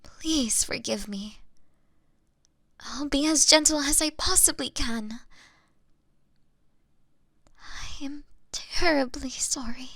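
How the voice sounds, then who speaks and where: A gentle vampire woman, acted by a female performer in an intimate audio drama, speaks slowly and formally in a fairly high, breathy voice that often drops to a whisper. She is apologetic yet straining against bloodlust. The recording is close and dry. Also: no room sound, exaggerated voice. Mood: tempted, apologetic.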